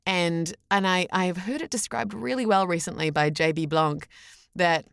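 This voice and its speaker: A woman with a New Zealand accent chatting as an interview guest, telling anecdotes in a halting, chatty way full of "like". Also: lowish voice, creaky, fairly bright tone, clear, resonant tone, no room sound, clean studio sound. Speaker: podcast guest, voice actor.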